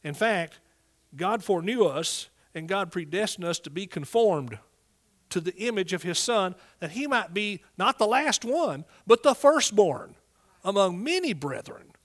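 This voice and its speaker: Preacher, male, middle age. East Texas accent, pitch a little high, folksy and emphatic sermon style. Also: expressive, a little slow. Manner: folksy, emphatic, prompts listeners with amens and hallelujahs.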